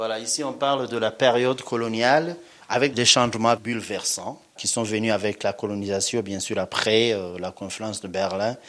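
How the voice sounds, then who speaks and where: A man's voice is heard, medium in pitch. His speed is moderate. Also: ordinary pitch variation. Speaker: memorial guide, genocide survivor. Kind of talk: guided tour explanation. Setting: outdoors. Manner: halting.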